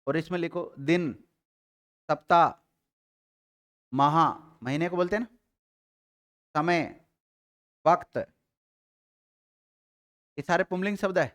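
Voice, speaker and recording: A Hindi grammar teacher with a Rajasthani Hindi accent runs a live class, calling on students and making them repeat letters one by one. He speaks very slowly and deliberately. His voice sits a little high for a man. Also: a bit bright.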